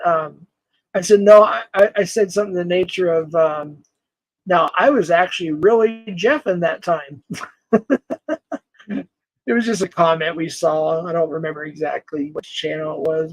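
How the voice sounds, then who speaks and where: A man's voice: fairly high pitch, no echo, poor audio. A man in his forties hosting a casual livestream, rambling, laughing often and greeting chat viewers by name. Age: 40s. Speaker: livestream host.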